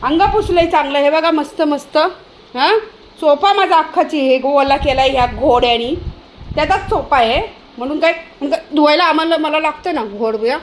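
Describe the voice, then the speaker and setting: A woman's voice: high voice, normal speed, a little hiss or hum. A woman vlogging casually at home, chatting to viewers and often calling out sharply to her dog.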